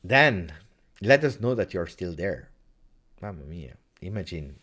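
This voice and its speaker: Low-voiced Italian man, theatrical live streamer. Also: sing-song, a bit bright, husky. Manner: theatrical, emotional, with repeated phrases and dramatic pauses. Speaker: football fan streamer hosting a live reaction. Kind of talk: casual live-stream chat.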